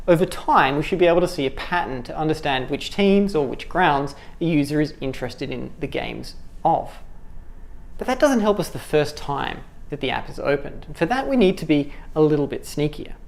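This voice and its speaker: A man's voice: on the high side, animated, moderate pace, creaky. A man in his thirties with an Australian accent, presenting a scripted tutorial on app development in an upbeat way in a studio. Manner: upbeat, gestures with hands while talking. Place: studio with dark backdrop.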